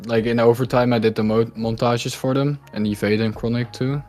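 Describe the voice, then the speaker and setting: Low-key, bored-sounding guest man. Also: level tone, fairly quick, darkish tone, soft background music. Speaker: podcast guest, video editor. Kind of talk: casual podcast chat.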